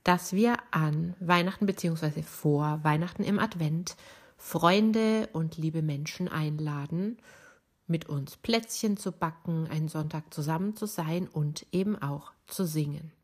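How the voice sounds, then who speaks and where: A middle-aged woman with a raspy, rough-edged voice, hoarse from bronchitis, telling a personal story as a podcast host. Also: low-pitched, a little slow, a little mellow.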